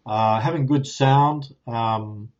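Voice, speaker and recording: A man chats loosely through viewer questions, restarting sentences and filling gaps with ums. His voice sits mid-pitch, picked up by a clip-on mic on a phone. The sound is a little dull and lo-fi. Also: slow pace. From New Zealand. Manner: relaxed, rambling, many fillers and restarts. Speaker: YouTuber answering viewer questions. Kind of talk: casual live Q&A. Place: home studio with ring light, softboxes and plants. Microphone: phone with clip-on lapel mic.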